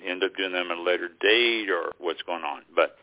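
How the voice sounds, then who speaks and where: A man's voice: low voice, a little fast, dry recording. A man co-hosting a radio talk show, chatting loosely and hesitantly about upcoming guests. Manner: rambling, unsure, hesitant. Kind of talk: casual planning chat. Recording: tinny dry phone line.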